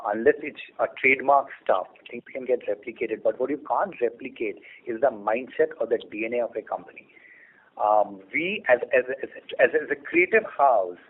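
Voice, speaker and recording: Man, Indian accent, husky voice, narrow phone-band audio, corporate explaining, rhetorical questions. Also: medium pitch. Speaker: company executive on an earnings call. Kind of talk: explanatory business answers to analysts. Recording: phone-like conference call audio.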